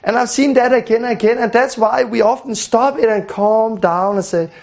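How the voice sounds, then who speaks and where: A man's voice: very high-pitched, normal speed, gravelly, a little mellow. A man giving an earnest teaching lesson, often repeating words and restarting phrases. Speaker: teacher on deliverance ministry. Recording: dull lo-fi recording.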